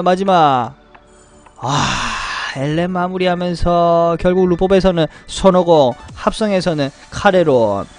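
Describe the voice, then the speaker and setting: A young man commentating his game card and pet draws, greeting viewers and chanting loudly when good results come up. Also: a little high. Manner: animated, chants and shouts at good pulls. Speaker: game streamer. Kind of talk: excited gacha pull commentary.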